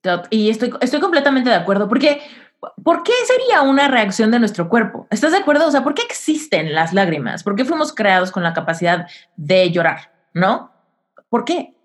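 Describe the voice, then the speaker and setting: A woman's voice: on the high side, normal speed. Woman, podcast host, supportive interviewer, affirming, inquisitive. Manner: affirming, asks lively questions.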